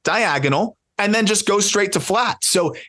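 A podcast co-host who works as a prospect analyst chats casually and animatedly, laughing a lot and often restarting his sentences. His voice is high and sharp, with lively intonation and a normal speaking speed.

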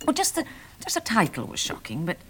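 A well-bred young woman in a 1960s radio play. She is wistful and playful, polite and a little hesitant, and her pitch rises and dips freely. A faint hiss of old recording sits behind her. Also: huge pitch swings, brisk, a bit bright. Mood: wry, candid. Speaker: actress in a radio drama. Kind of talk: 1960s radio drama acting.

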